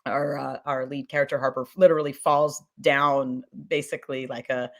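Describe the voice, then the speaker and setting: A woman's voice: extremely low pitch, flat delivery, normal speed. Enthusiastic woman in casual panel talk. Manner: enthusiastic, emphatic, informal. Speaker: scripted fiction podcast creator and panelist.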